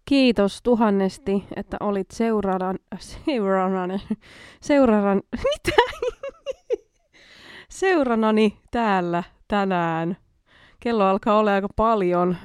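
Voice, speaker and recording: A woman's voice: medium pitch, creaky, a little mellow, dry recording, clean studio sound. A woman hosting a casual late-night show, reading jokes aloud and giggling at the punchlines. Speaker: host reading listener jokes.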